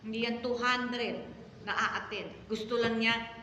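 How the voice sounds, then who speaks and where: A middle-aged Filipino woman pastor preaching a story-filled sermon, with sudden loud exclamations and drawn-out emphasis. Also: on the high side, fairly even intonation, lo-fi sound. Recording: echoey hall reverb, faint background noise.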